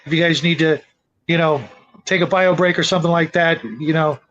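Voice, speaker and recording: A man with a notably high voice moderates a casual discussion. He speaks as the host, somewhat haltingly, repeating words as he goes. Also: steady tone, fairly bright tone, lo-fi sound.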